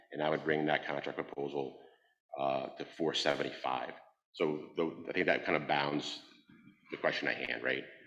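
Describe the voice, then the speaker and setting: A man with a very deep, low pitch and vocal fry speaks at a moderate pace in a monotone, flat intonation, leaving long, frequent pauses. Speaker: fire chief. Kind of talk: public meeting discussion. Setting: public meeting room with microphones. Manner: loud.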